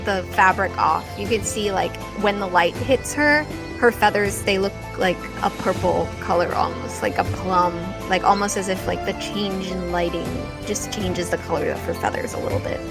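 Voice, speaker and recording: A woman with a medium-pitched voice runs a tabletop roleplaying game. She narrates scenes in a casual, improvised way and offers choices to the player, with faint music underneath. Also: normal speed, hardly any pauses. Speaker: game master.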